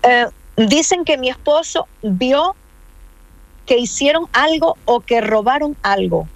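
A woman's voice: high voice, lively intonation, slow, dry recording, low-quality recording. A woman in an interview telling her own story, earnest and insistent, repeating key points. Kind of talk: emotional personal account.

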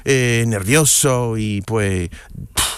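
Foreign-accented man, halting speech. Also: lowish voice, clear, resonant tone, no room sound, clean studio sound. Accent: foreign, non-native Spanish. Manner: searches for words, many restarts. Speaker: guest, columnist. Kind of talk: casual interview chat.

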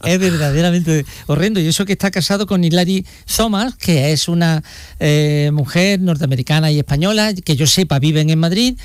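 Man, fairly high pitch, dry, joking, rambling live report. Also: smooth, no echo. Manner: joking, rambling with fillers and restarts. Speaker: regional correspondent.

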